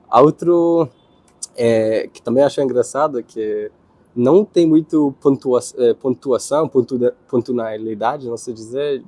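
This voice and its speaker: Hesitant Israeli man, dark mellow voice. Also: medium pitch, no echo. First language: Hebrew. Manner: hesitant, searching for words, with restarts. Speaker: interviewee. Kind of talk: casual interview answers.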